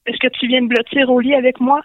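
A woman's voice: sits high, little pitch movement, quick pace, no room sound. A woman voicing a timid, naive young man with a plaintive, hesitant way of talking and a Québécois French accent. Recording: tinny phone line.

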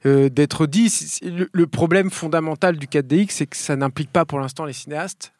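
Man, fairly high voice, podcast panelist, halting casual talk, dry sound. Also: darkish tone, dry recording. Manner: hesitant, repeats filler phrases. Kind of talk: casual chat.

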